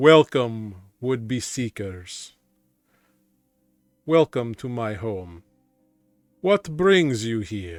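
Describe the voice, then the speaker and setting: Using a put-on character voice at medium pitch, a man speaks very slowly with long, frequent pauses over faint music in the background. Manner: grand, welcoming.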